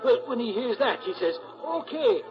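Radio crime drama: boastful dumb American policeman, very high male pitch, slangy bluster, dull 1940s recording. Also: very animated, normal speed, full character voice. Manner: blustering, ungrammatical tough-guy slang. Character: boastful dim-witted city cop, brash and slangy.

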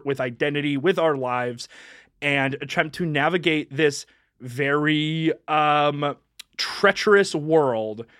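A woman's voice: low-pitched, no room sound, clean studio sound. A young adult woman co-hosting a casual podcast, rambling and self-deprecating, laughing often. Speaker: podcast co-host. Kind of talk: casual chat.

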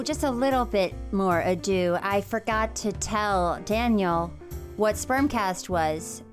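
Casting note: playful woman podcast host in her thirties, slightly high voice, faint music behind. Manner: playful, teasing, laughs often. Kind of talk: casual podcast chat.

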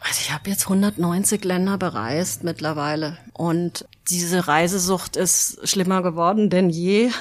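Eine Frau als Interviewgast, die im lockeren Plauderton lebhaft von ihren Reisen erzählt und oft mit „äh“ und „ähm“ zögert. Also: female voice, fairly low pitch, moderate pace, few pauses. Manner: lively storytelling with many fillers. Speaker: guest, travel speaker. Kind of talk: casual interview answers.

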